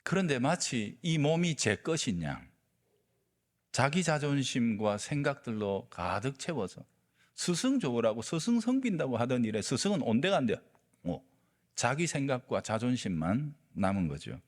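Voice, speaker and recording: A male pastor preaching a sermon, telling a story with lively delivery and acting out the quoted lines. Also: mid-range voice, normal speed. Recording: long reverb of a large hall.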